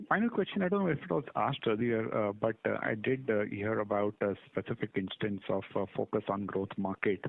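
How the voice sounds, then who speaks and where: A man's voice: fairly low pitch, vocal fry, dry recording. A man asking questions as an analyst on an earnings call, in hesitant, broken phrasing. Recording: thin phone-line call audio.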